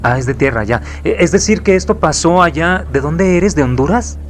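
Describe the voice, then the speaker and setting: A man's voice: a little high, lively intonation, normal speed. A man hosting an interview, asking brief follow-up questions and giving attentive affirmations. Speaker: interviewer host.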